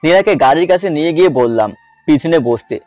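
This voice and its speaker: A man's voice: on the high side, expressive, fairly quick, darkish tone, dry recording, faint music behind. A young man narrating a romantic story in first person and voicing its mischievous hero. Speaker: narrator and male lead.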